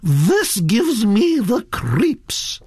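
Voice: mid-range voice, wildly swooping pitch, very slow, darkish tone, breathy edge, no room sound, studio quality, pitched above the performer's own voice, exaggerated voice. A reader voicing an imperious elderly aristocratic duchess who speaks bluntly and commandingly. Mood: disapproving. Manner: commanding, brusque.

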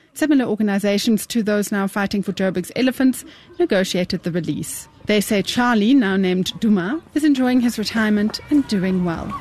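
A woman's voice: mid-range voice, darkish tone. Woman reporting for radio news.

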